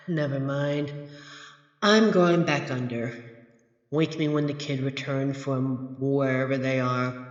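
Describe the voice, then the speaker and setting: Man playing a slow, haughty under-bed monster in echo. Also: mid-range voice, a bit bright, muffled recording. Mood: amused, scornful, then exasperated. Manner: dry, pompous, deliberate with exasperated sighs. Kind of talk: scripted ASMR roleplay audio drama. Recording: echoey, reverberant room effect.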